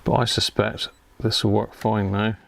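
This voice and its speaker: A man's voice: on the low side, level tone, normal speed, vocal fry. A man giving casual live commentary as he does electronics repair, chatting and half muttering to himself while he works.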